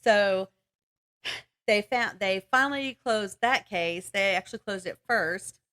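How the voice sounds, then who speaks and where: A woman's voice: medium pitch, unhurried, a bit bright. A woman podcast co-host chatting casually about books in a rambling, giggly way. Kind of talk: casual book chat.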